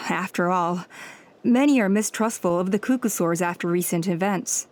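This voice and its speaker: A woman voicing a calm, cautious, wise tribal elder in a video game, measured and gently cautioning. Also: on the low side, slight background noise, lightly acted.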